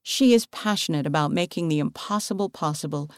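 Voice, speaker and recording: Woman reading in an earnest, measured voice. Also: low voice, clean tone, no echo, clean studio sound. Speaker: reader of a magazine article. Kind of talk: scripted narration read aloud.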